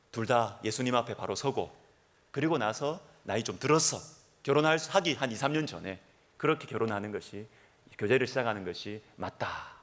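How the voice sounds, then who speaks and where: Middle-aged male pastor, sermon delivery, wide lively pitch, storytelling energy. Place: church sanctuary.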